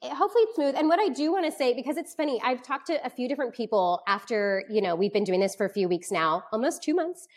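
A woman co-hosting a relaxed podcast, her voice a bit husky because she is feeling unwell. She sits slightly high in pitch and rambles easily, leaning on fillers as she talks things through. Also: quick pace, hardly any pauses. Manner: chatty, peppered with "like" and "you know". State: husky, under the weather. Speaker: podcast co-host. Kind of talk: casual chat. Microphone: remote recording over internet.

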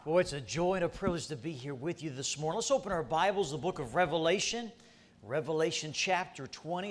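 A middle-aged man who grew up in the Bahamas, giving a folksy, joking testimony as a missionary preacher in a church. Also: on the high side. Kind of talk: sermon testimony. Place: church sanctuary.

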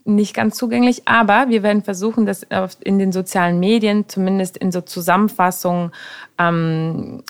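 A woman's voice: medium pitch, fairly even intonation, normal speed. A woman hosting a podcast, explaining her thoughts at length in casual conversation with many fillers. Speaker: podcast host.

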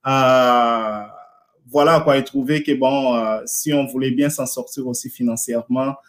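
Halting man answering as interview guest. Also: mid-range voice, fairly even intonation. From Montreal, Canada, of Congolese descent. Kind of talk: casual live interview talk.

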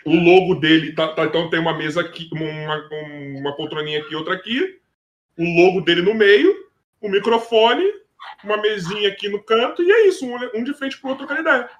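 A man's voice: sits high, brisk, dull audio. A man with a Brazilian Portuguese accent chatting casually on a podcast, informal and slangy, swearing and repeating words.

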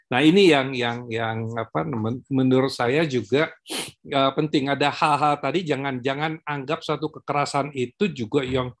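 A man speaking as a guest in a talk-show discussion, pausing often with fillers and restarting phrases, and dropping English terms into his speech. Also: mid-range voice, steady tone. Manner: halting, many filler pauses and restarts.

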